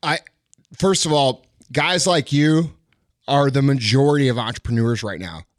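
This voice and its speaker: A man's voice: mid-range voice, normal speed, no echo, clean studio sound. A man giving casual motivational business advice as a podcast host, blunt and sweary.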